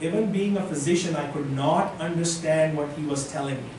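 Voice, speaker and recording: Amid noticeable background noise and audible room echo, a man speaks in a fairly high voice with ordinary pitch variation. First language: not English. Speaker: physician lecturer. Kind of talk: lecture. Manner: halting.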